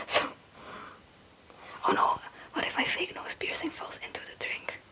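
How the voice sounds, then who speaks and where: A young woman from Belgium, a non-native English speaker, whispering a casual, hesitant and meandering ASMR chat in a breathy voice. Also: slow pace, bright, forceful tone, low-quality recording. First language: not English. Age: young adult. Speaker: ASMR video creator.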